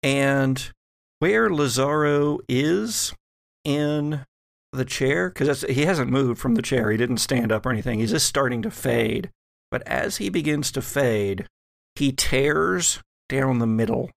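A man narrating a tabletop horror game as game master, deliberately and with dramatic pauses. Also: medium pitch, vocal fry, dry recording, studio quality.

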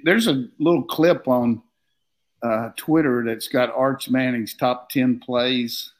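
An older man with a drawl talks football in a loose, folksy ramble. He jokes along and stumbles into repeated words as he goes, with a mid-range voice. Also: mid-range voice. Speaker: former football coach, show regular. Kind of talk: casual sports talk.

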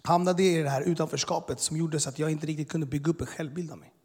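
A slightly high, husky male voice, caught with a long hall reverb. He tells his personal testimony with earnest intensity, pressing through his story in plain, unpolished words. He is a man in his thirties. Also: fairly even intonation, darkish tone. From immigrated to Sweden as a boy. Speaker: speaker giving his testimony.

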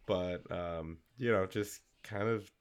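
A man's voice: low-pitched, slow pace, clean tone. A man co-hosting a maker podcast, congested, chatting casually in a rambling way with many fillers and restarts. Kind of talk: casual chat.

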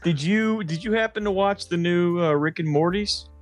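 A man's voice: high-pitched, normal speed, no room sound, soft background music. A man co-hosting a podcast, chatting informally in a slangy way. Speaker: podcast host. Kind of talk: casual chat.

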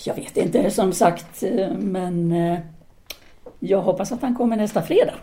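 A woman's voice: medium pitch, mellow, close to an everyday voice. A woman playing a self-assured, seductive philosopher-teacher in an audio drama, speaking in an articulate, formal, lecturing manner. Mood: reflective. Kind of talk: audio drama dialogue acting.

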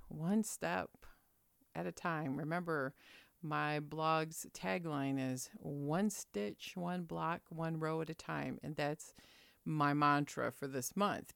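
A woman's voice: low-pitched, vocal fry, clean tone, dry recording, clean studio sound. A middle-aged woman vlogging in a chatty, rambling way with fillers. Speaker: quilting vlogger. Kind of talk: casual chat.

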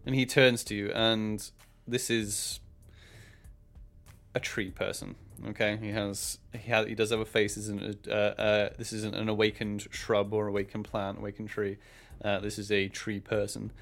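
A man working as game master, improvising descriptive narration for a tabletop game with hesitant pauses mid-phrase. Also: lowish voice, little pitch movement, vocal fry, fairly bright tone.

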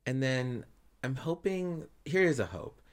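A man's voice: mid-range voice, very animated, unhurried. A man in his thirties co-hosting a podcast, chatting casually and rambling a little, with easy laughs. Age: 30s. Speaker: podcast co-host. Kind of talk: casual chat.

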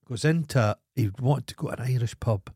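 A man's voice: medium pitch, a little fast, dark tone, slightly rough, dry recording, clean studio sound. A Scottish man co-hosting a podcast, telling stories in blunt, sweary casual chat. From Scotland. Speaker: podcast co-host.

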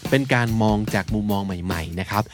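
Male podcast co-host, lower register, easygoing teaching chat. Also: fairly quick, over music. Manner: explains words in Thai, mixing in English terms. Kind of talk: casual explanatory chat.

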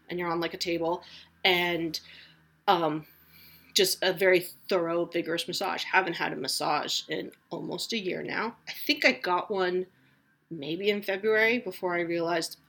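A woman's voice: lowish voice, gravelly, fairly bright tone, slightly rough. A woman in her forties hosting a casual solo podcast from home, chatty and rambling, with a self-deprecating humor. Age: 40s. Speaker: podcast host.

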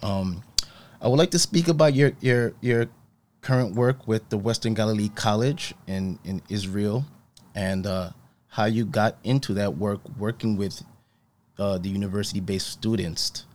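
A man's voice: on the low side, moderate pace, a little mellow. A man hosting a podcast, asking friendly, rambling questions with many fillers. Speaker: podcast host. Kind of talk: casual interview questions.

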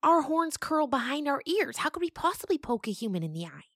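A no-nonsense young goat who pokes holes in everything with incredulous questions, voiced by a woman. The pitch rides high and lively. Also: fairly quick, no room sound, studio quality, exaggerated voice. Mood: indignant. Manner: incredulous, arguing. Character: young goat, skeptical and matter-of-fact.

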